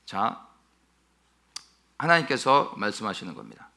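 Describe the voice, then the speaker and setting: A male pastor preaching an expository sermon, emphatic and animated, often asking his listeners rhetorical questions. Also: lowish voice, unhurried, creaky.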